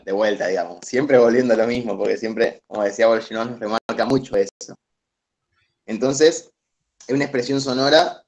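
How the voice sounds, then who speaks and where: A young man with an Argentine accent explaining a reading to classmates over a video call, hesitant, with many fillers and restarts. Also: mid-range voice. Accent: Argentine Spanish. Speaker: student presenter. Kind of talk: online study session explanation. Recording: dull lo-fi video call audio.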